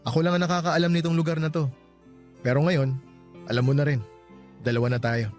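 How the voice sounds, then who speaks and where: Young male love interest played by an actor: casual, teasing, lightly high voice, radio drama with soft music. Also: flat delivery, fairly quick, close to an everyday voice. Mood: wistful, sincere. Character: teasing, easygoing young man courting a woman. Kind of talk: radio romance drama dialogue.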